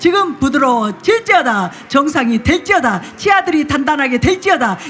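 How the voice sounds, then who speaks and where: Over noticeable background noise, a woman talks at a moderate pace. Her high voice makes very wide pitch swings. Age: 60s. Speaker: pastor. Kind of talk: sermon with healing declarations. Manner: loud, emphatic commanding declarations.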